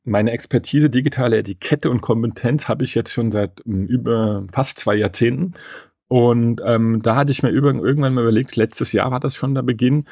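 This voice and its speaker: A man's voice: medium pitch, moderate pace, creaky, mellow, breathy edge, dry recording, studio quality. A man being interviewed as an etiquette expert, speaking in an opinionated, emphatic and rambling way. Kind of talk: conversational interview.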